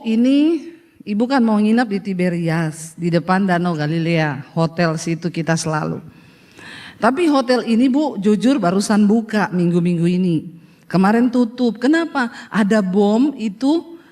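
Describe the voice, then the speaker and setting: A woman's voice: mid-range voice, normal speed. A woman preacher, telling a humorous story in a sermon, acting out the dialogue and teasing her listeners. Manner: lively storytelling, acts out dialogue, teases the audience.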